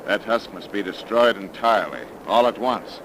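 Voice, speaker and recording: A calm, folksy investigator hero of 1930s radio horror, played by a man. His voice sits very low and unhurried. Steady hiss runs under the old recording. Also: lightly acted. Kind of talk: 1930s radio drama acting.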